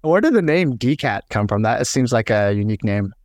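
A man's voice: medium pitch, lively intonation, a little fast, a little mellow, no echo, studio quality. A man hosting a podcast, welcoming guests and asking friendly questions. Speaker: podcast host. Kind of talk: interview questions.

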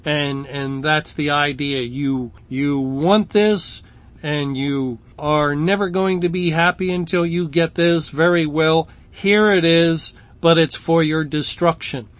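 A middle-aged man gives a verse-by-verse Bible lesson at a very slow, deliberate pace. His voice sits a little high for a man, and he often stumbles and restarts words as he thinks aloud. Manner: slow, halting delivery with frequent restarts and fillers. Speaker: Bible teacher.

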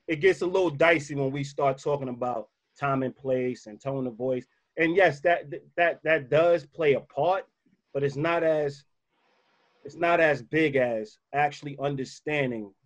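Emphatic man with a bassy voice. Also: a little slow. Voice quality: a little bassy voice. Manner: emphatic, repeats key points. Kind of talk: casual advice talk.

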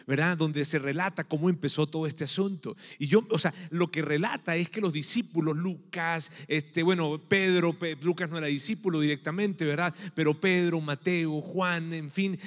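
A man with a Mexican Spanish accent delivers a relaxed, conversational sermon. He tells stories and often stops to restart a phrase. His voice sits fairly high, and a long reverb trails behind him in the church hall. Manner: conversational, storytelling, many fillers and restarts. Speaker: pastor. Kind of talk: casual sermon to a congregation.

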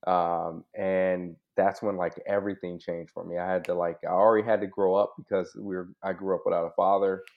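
Male interview guest, American, very low register, informal and open, telling personal history; slightly dull lo-fi sound. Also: flat delivery, fairly quick, hardly any pauses. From United States (born in Hawaii, grew up in California). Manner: informal, open, frequent "right?" and "like" asides. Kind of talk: candid personal life story, casual. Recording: dull, lo-fi audio.

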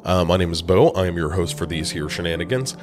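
A man's voice: sits low, expressive, fast talker, music in the background. A man from the United States hosting a podcast, a bit congested from a cold, talking casually with lots of ums and restarts. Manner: rambling, many fillers and restarts. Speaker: podcast host.

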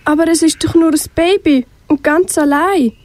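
A teenage girl voicing an eager young swallow in a school radio play, calling out in an urgent, excited way. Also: very high voice, moderate pace, slight background noise. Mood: gentle. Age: teens.

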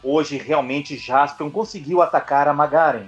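Dull-sounding Brazilian man, higher voice. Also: moderate pace, husky, faint music behind. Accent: Brazilian Portuguese. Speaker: podcast host. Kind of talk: casual chat.

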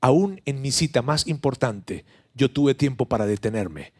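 A preacher voicing a calm, solemn male teacher who speaks slowly and gravely. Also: mid-range voice, pitched below the performer's own voice. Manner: slow, grave, hushed.

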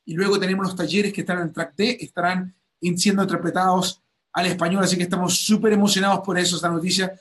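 A male host talking animatedly on a call, with many fillers and restarts. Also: high voice. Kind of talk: enthusiastic call interview.

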